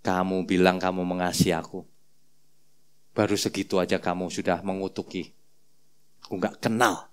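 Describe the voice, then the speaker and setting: Man playing Jesus, low hushed voice, grave, gently reproachful teacher. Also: very fast, natural voice.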